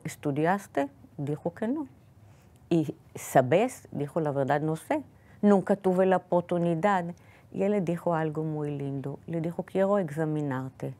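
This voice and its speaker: Speaking careful, somewhat hesitant Spanish that isn't her first language, an Israeli guest recounts family stories in an interview. Her voice sits low with a darkish tone.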